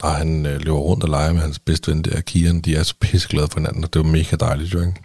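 A man co-hosting a podcast, casually telling a lively anecdote with acted-out dialogue and some swearing. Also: very deep voice, no echo, studio quality. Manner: animated storytelling, swearing, acting out dialogue. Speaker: podcast co-host. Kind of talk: casual chat.

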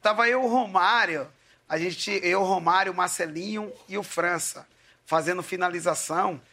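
A man telling lively anecdotes in casual chat as a guest, acting out the lines of the people in his stories. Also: sits high, normal speed. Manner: animated anecdotes, acts out quoted lines. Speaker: guest, former footballer.

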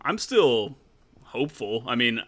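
A man's voice: mid-range voice, sing-song, a little slow, a bit bright. A man co-hosting a casual podcast, chatty and eager to jump in. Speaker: podcast co-host.

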